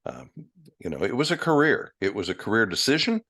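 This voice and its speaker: A middle-aged American man hosting a casual interview, musing his way haltingly through his thoughts. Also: medium pitch, sing-song, a bit bright. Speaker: interview host.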